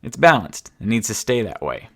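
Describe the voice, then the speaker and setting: A male halfling thief with a lowered, level voice, matter-of-fact and practical. He sounds steady in this fantasy audiobook, as a woman narrator puts him on. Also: normal speed, exaggerated voice.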